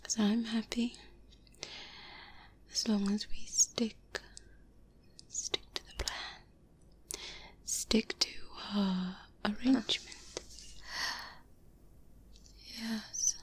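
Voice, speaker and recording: A woman playing a courteous but quietly menacing vampire in a formal, hushed, whispered ASMR roleplay, close to the microphone. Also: a little high, steady tone. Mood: conciliatory. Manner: formal, deliberate, hushed, measured diplomatic speech. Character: courteous, quietly menacing female vampire, protective, world-weary. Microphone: close-up binaural microphone. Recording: close binaural mic, clear background noise.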